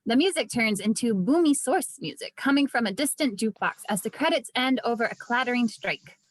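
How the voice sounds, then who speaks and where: A woman's voice: a little high, animated, brisk, dry recording, poor audio. A woman narrating scripted stage directions at a table read. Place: indoors, remote online read.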